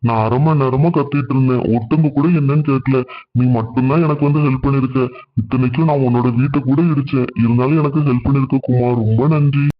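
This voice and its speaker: A man's voice: mid-range voice, fairly even intonation, quick pace, natural voice. A man voicing a rich, proud jeweler in a Christian cartoon, wailing and pleading. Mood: remorseful. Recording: dull lo-fi sound.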